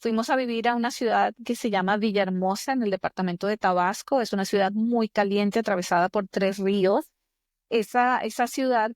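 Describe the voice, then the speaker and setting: A woman in her fifties with a Venezuelan accent shares personal stories as a podcast guest. Her mid-range voice is expressive and emphatic, often repeating phrases for effect. The sound is dry, with little room echo. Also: mid-range voice. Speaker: podcast guest, executive coach. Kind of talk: conversational interview, personal storytelling.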